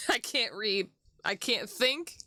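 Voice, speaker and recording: A woman's voice: on the high side, animated, drawn-out words, dry recording, clean studio sound. A tired woman streaming a game, chatting casually in a rambling, self-deprecating way. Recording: loud music behind. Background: music.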